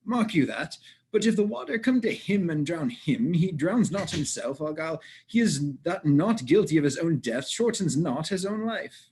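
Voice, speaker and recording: A man's voice: a little high, big pitch swings, normal speed, a little mellow, breathy edge, heavily acted. A man playing a cheerful, blunt, teasing gravedigger in a theatrical Shakespeare reading. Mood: teasing, cocky. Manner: theatrical, teasing, mock-argumentative.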